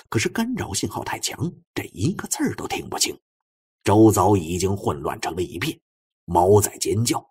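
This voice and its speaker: A man narrates a suspense fiction audiobook in a low, very raspy voice. His delivery is theatrical, swinging between hushed and forceful.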